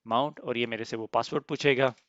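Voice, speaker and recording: A man teaching an IT lesson step by step, pausing often to check in, his throat slightly sore. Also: mid-range voice, steady tone, fairly bright tone, no room sound, lo-fi sound. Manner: explains step by step, often asks "theek hai?". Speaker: IT instructor. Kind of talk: screen-recorded software tutorial.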